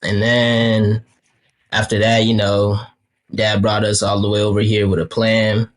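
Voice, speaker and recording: His voice is fairly low and completely flat, and he takes his time. The speaker is a young adult Kenyan guest trader, a native Swahili speaker, discussing trading in a relaxed, slangy casual interview over video call.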